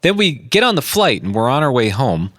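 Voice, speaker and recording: Lively, laughing radio host man. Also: mid-range voice, a little fast, no echo, studio quality. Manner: animated, laughing often. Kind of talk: casual radio storytelling. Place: radio studio.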